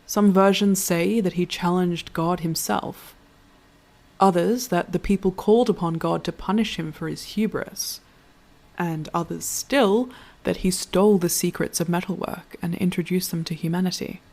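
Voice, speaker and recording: In a scripted audio drama, a woman plays a reflective, literate storyteller, musing in a measured and thoughtful way. Her voice has a fairly low pitch and a darkish tone.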